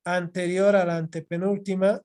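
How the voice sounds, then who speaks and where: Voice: medium pitch, flat delivery, moderate pace, darkish tone. Patient teacher, online class. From Bolivia. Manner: patient, repeats points, checks in with "¿ya?". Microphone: video call microphone.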